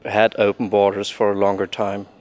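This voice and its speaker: A man's voice: lowish voice, completely flat delivery, normal speed, a little mellow. A young man giving hesitant interview answers, full of ums. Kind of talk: conference vox-pop interview.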